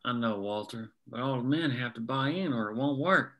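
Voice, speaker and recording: A man's voice: medium pitch, moderate pace, bright, forceful tone, natural voice. A man reading an easygoing, protective small-town family man at a screenplay table read, plainspoken in manner. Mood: firm.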